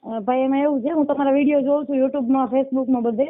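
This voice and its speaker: On a dull, lo-fi phone line, a twenty-nine-year-old woman speaking with a Saurashtra Gujarati accent pleads for help while recounting her circumstances. She talks fairly quickly in a high voice with fairly even intonation.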